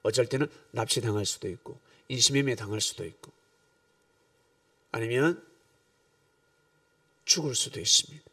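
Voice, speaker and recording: A middle-aged man preaching a sermon, telling stories with animated swings between calm teaching and loud bursts. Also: mid-range voice, moderate pace, long pauses, no echo, distant mic. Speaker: pastor.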